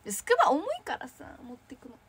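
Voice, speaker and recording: Young female idol, slightly high voice, bubbly and giggly, casual livestream chat. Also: huge pitch swings, fast, slightly rough. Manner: bubbly, chatty, frequent giggles. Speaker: idol trainee hosting a fan livestream. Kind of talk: casual livestream chat reading viewer comments.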